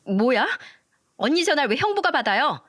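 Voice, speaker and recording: A woman voicing a rude, greedy young woman who shouts and swears, in a story reading. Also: sits high, sing-song, normal speed, voice pushed up, full character voice. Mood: indignant.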